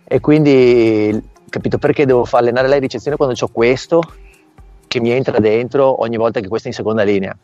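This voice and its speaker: A man's voice: medium pitch, brisk, dark tone. Man talking over a remote call line. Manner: explanatory, often asks "capito?". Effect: heard over a remote call line. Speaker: volleyball coach. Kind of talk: remote interview. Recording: dull lo-fi call audio, faint music.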